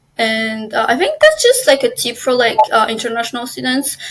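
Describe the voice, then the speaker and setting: A woman talks with a high pitch. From Madagascar. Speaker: student and nonprofit founder. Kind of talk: interview. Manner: hesitant, many fillers.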